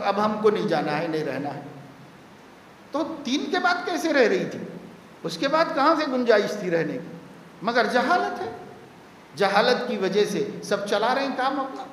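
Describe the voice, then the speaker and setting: A man's voice: high-pitched, slight background noise. A man, a maulana, giving a Friday sermon, emphatic and repeating key words for stress. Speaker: maulana preaching. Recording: echoey hall with long reverb.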